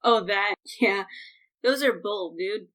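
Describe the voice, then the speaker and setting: A woman's voice: medium pitch, takes it slowly, a bit bright. A woman playing a casual, flippant young friend in an audio drama. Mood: offhand.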